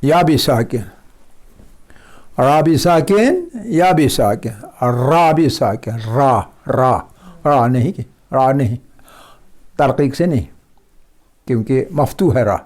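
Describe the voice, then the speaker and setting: A man teaching a recitation lesson, patiently explaining and repeating example words slowly, often checking that his listeners follow. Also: mid-range voice, expressive, a little mellow. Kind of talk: tajweed lesson.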